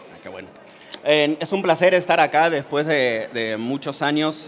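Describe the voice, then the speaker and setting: A man is speaking. His pitch sits fairly high. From Argentina. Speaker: researcher, speaker. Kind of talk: keynote talk. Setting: stage with audience.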